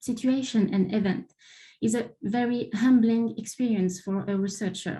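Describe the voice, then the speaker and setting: Somewhat breathy and fairly high, a woman's voice carries a dark, mellow tone with ordinary pitch variation. She talks at a fairly slow pace against a quiet background. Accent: French. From France. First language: French. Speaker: postdoctoral researcher. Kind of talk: lecture. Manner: halting, many fillers.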